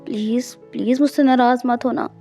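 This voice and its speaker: A woman voicing a shy, tender young man in an audiobook, speaking softly with hesitant restarts. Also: fairly high pitch, steady tone, a little fast, soft background music, lightly acted. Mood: teasing. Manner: soft-spoken, hesitant restarts.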